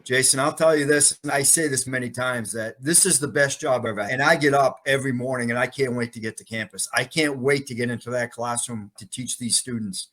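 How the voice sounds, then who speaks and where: A man's voice: mid-range voice, fairly even intonation, fairly quick, few pauses, a bit bright. Cheerful middle-aged professor man. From Massachusetts. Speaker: sales professor, guest. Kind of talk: interview storytelling.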